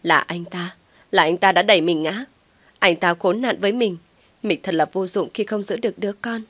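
A woman's voice: normal speed, fairly bright tone, no echo. A woman voicing a frantic grieving young mother. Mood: distraught. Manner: shrill crying outbursts.

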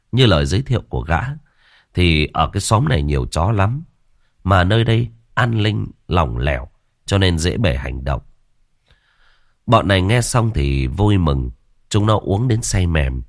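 A man's voice: low voice, dry recording, studio quality. A man narrating a ghost story in a vivid, colloquial way.

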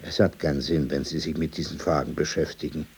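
A man's voice: extremely low pitch, fairly even intonation, a little fast, slightly rough, full character voice. An actor playing an old, opinionated Jewish man in a radio play, digressing indignantly with rhetorical questions and emphatic asides. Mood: dismissive, chatty. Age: older. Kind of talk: radio play, conversational monologue.

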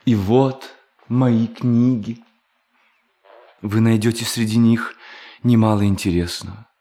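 A man's voice: on the low side, fairly even intonation, slow, warm tone. A man acting a pious, mournful, bookish member of a religious brotherhood in an audio drama, solemn and preachy. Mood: solemn, preaching.

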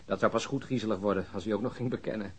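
An actor playing a calm, dryly reflective senior police detective in a naturalistic radio drama. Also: male voice, lowish voice, very fast, slightly rough.

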